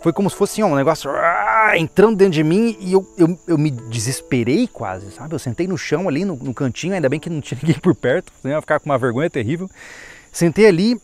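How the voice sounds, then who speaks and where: A man's voice: fairly high pitch, expressive, quick pace, faint music behind. A man sharing a personal conversion testimony in a casual, rambling way, often restarting and thinking aloud, with an earnest, emotional tone. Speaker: testimony speaker. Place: outdoors, insects and a plane audible.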